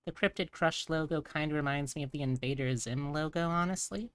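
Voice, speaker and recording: A woman's voice: low voice, fairly quick. A woman hosting a casual live stream, chatting and thinking aloud in a rambling way. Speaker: streamer host.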